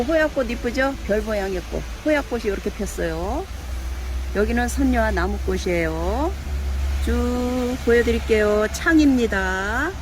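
A plant seller walks a camera through her shop, chatting casually as she shows her plants. She speaks of each one fondly, as if it were a little child. Faint traffic and ambient noise sit quietly behind her voice. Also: on the high side. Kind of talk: casual product showcase.

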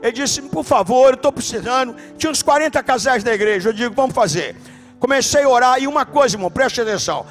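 A man with a Brazilian Portuguese accent, a pastor telling stories in an animated sermon and shouting at key points. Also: very high-pitched, fast, faint music behind. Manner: animated preaching, shouts for emphasis. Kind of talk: sermon with storytelling. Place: church.

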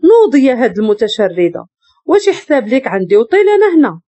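A woman's voice: fairly high pitch, sing-song, quick pace, dark tone. A woman with a Moroccan Arabic accent voicing a harsh, domineering rich man who scolds and gives orders. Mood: scolding. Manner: cold, scolding and commanding. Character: harsh, domineering wealthy man, master of a palace.

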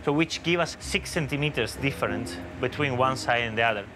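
A man working as a ship's bridge officer, calling out readings and orders in a brisk, procedural way. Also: medium pitch, noisy background. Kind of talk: radio commands on a ship's bridge.

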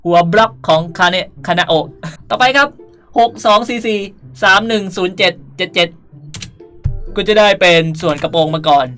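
With background music playing beneath her, a woman hosts a gaming video, chatting playfully through a casual tutorial and reading item codes with cutesy sentence endings. She speaks at medium pitch and moderate pace, sounding a bit bright.

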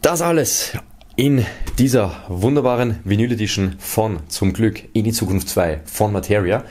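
A man's voice: on the low side, normal speed, darkish tone. A man hosting an unboxing video, casually and methodically describing items to viewers. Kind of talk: casual product showcase commentary to viewers.

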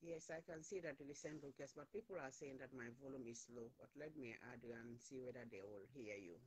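This Gambian woman in her forties speaks in an extremely low, breathy voice at a brisk clip, heatedly repeating lines to drive them home. She's running a phone live stream with the phone held at arm's length, inside a small plain-walled room.

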